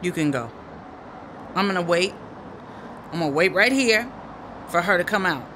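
A woman's voice: lowish voice, expressive, normal speed, fairly bright tone, slight background noise. A woman playing a headstrong, aggrieved female musician in a radio drama, speaking in a blunt, slangy, dismissive way. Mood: irritated. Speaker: actor in a serialized radio drama. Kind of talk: naturalistic radio drama acting.

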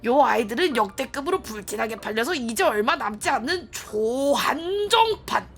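A woman's voice: a little high, expressive, normal speed, a bit bright, faint music behind. Woman putting on a gushing boutique clerk, customer service voice. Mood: smug, gushing. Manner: polite customer service voice, sales patter. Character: gushing, boastful female boutique clerk for VIP clients. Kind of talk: acted reading of game dialogue.

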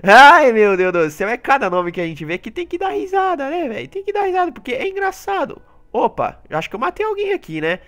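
A man with a Brazilian Portuguese accent giving excitable live commentary on his gameplay. He talks straight to his audience and often jumps into high yelps and laughter. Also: fairly quick, hardly any pauses. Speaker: gaming YouTuber.

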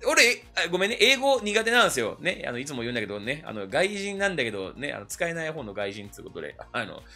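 A man hosting casual anime reaction commentary, animated and self-mocking, laughing often between phrases. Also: on the high side, quick pace, faint music behind. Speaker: anime reaction channel host.

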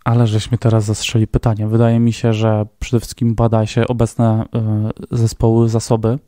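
Mężczyzna, gospodarz podcastu, zadaje pytania swobodnie i żartobliwie, z wahaniami i wtrąceniami „e”. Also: male voice, lowish voice, normal speed, no room sound, studio quality. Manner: relaxed, jokey questioning with fillers. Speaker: podcast host. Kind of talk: casual interview conversation.

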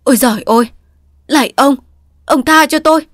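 A woman's voice: medium pitch, a little fast, dry recording, clean studio sound, close to an everyday voice. A woman voicing a male opium addict in painful withdrawal, whining and pleading, breaking into frantic cries. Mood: frantic terror.

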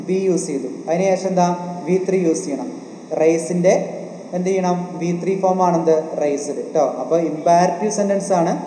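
Man, Malayali accent, grammar teacher, keeps asking and answering himself, dark mellow voice, echoey room with faint hiss. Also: on the high side. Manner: repetitive, asks questions and answers them himself. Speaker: exam coaching teacher. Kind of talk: online grammar lesson.

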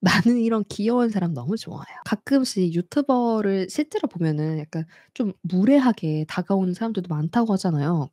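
A young woman chats on a live stream, her pitch swinging widely as she laughs and acts out the people in her stories. The voice is mellow and a little husky. It is recorded close and dry. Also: no echo. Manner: lively, laughs often, acts out quoted people. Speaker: YouTube host. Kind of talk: casual live-stream storytelling.

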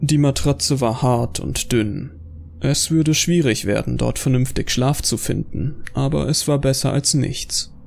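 A man narrates an audio drama from a script. His medium-pitched voice is gravelly with fry, and faint noise sits behind it. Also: unhurried.

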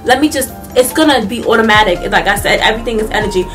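A woman's voice: a little high, quick pace, far from the mic, music in the background. A young woman with a congested, stuffy nose, giving a chatty motivational talk to camera with lots of fillers. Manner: chatty, animated, lots of "like" and hand gestures. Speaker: vlogger. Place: small indoor room.

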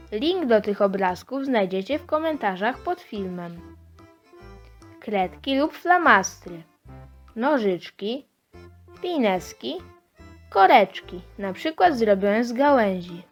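A woman presents a craft tutorial for children, with music playing behind her. Her voice sits at an average pitch for a woman as she narrates each step.

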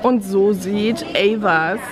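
A woman's voice: medium pitch, slow, very noisy. A woman in her thirties chatting casually to the camera and her child as a family vlog host.

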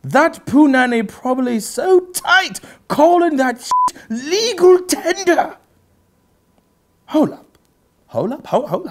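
A man in his thirties playing a pompous aristocratic gentleman host, giving a theatrical mock-literary dramatic reading of rap lyrics. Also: extremely high pitch, heavily acted. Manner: pompous, theatrical, drawn-out pauses. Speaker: comedy show host. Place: book-lined indoor study set, seated.

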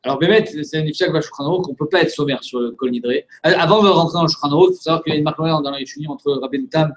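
A man teaching a daily Talmud class in French, explaining quickly and weaving in Hebrew and Aramaic terms. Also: on the high side.

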